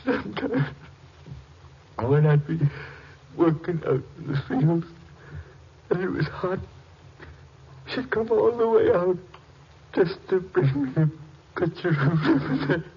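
Wounded older US farmer, very raspy, high-pitched, grieving, halting vintage radio delivery. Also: male voice, expressive, heavily acted. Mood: grief-stricken. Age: older, fifties or sixties. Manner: halting, drawn-out phrases. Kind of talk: 1950s radio drama acting. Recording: dull lo-fi old radio recording.

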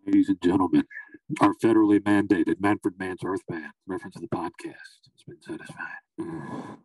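A man's voice: low-pitched, fairly even intonation, normal speed, darkish tone, no room sound. A male podcast co-host making a mock-formal announcement, his voice muffled and hollow as if heard through a tin can phone. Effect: muffled, hollow sound, as if through a tin can phone. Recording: distant, muffled phone held inside a cup.

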